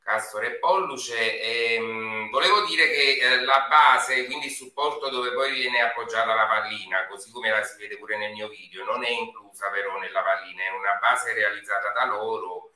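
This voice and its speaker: Man in his forties, very sharp forceful tone, lowish pitch, casual chat, roomy echo. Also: moderate pace, hardly any pauses. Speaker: guest on livestream. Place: indoor room at home. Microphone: video call, distant mic. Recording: echoey room, distant video-call mic.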